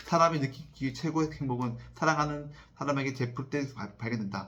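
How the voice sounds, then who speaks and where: There is audible room echo around a man speaking at a medium pitch with fairly even intonation. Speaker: reading practice vlogger. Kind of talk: casual reflection; reading aloud. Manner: halting, many self-corrections; fast.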